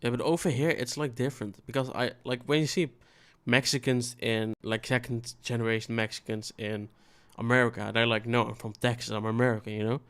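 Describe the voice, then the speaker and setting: Smooth-voiced guy chatting casually. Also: mid-range voice, fairly even intonation, a little fast, hardly any pauses, a bit bright. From Netherlands. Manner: rambling, profane, searching for English words. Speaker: podcast co-host. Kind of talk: casual chat.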